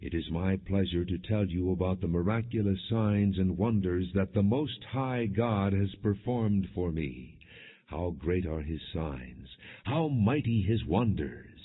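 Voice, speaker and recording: A man narrating scripture from a script as an audiobook, in a measured, solemn manner. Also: low voice, animated, slightly rough. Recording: dull, muffled lo-fi audio.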